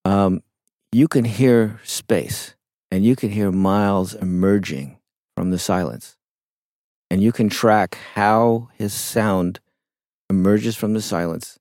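A middle-aged man, a songwriter guest in an interview, talking in a reflective, unhurried way with frequent fillers. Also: lowish voice, a little mellow, no room sound, clean studio sound. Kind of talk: conversational interview storytelling.

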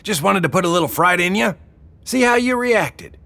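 A man reading an audiobook, voicing a loud, crude older woman who leads an eco-gang and bellows and cackles. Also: sits high, lively intonation, moderate pace, vocal fry, no room sound, pitched above the performer's own voice, full character voice. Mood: mocking.

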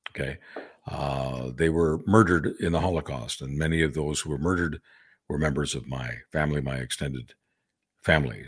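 A man's voice: extremely low pitch, husky. An older man born in Hungary, co-hosting a political podcast, speaking earnestly and often restarting his phrases. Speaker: podcast co-host. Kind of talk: casual political discussion.

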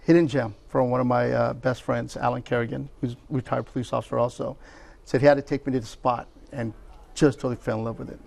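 A man on a restaurant review panel, telling his stories in a relaxed way. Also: mid-range voice, fast talker, vocal fry. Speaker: show panelist.

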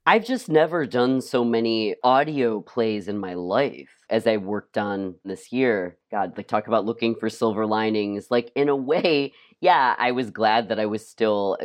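Actor as interview guest, medium-pitched voice, loose conversational delivery with halting phrases and frequent "like". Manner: halting, peppers speech with "like". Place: at home, remote session.

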